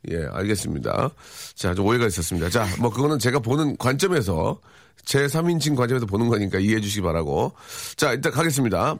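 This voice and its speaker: A man's voice: medium pitch, animated, fast talker. A man hosting a radio show, teasing a staff writer in a mock-serious, playful way. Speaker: radio host. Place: radio studio.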